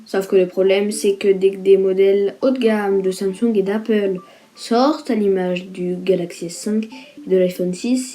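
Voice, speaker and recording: A woman's voice: mid-range voice, mellow. A woman reporter giving scripted news narration in a lightly playful, explanatory way.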